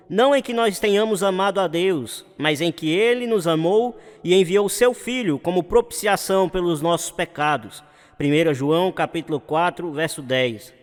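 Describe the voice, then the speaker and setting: A man's voice: high voice, lively intonation, normal speed. An actor playing an earnest male evangelist delivering a sermon of salvation in a radio drama. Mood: earnest, exhorting. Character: earnest male evangelist preaching to a crowd through loudspeakers. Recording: long hall reverb, like loudspeakers.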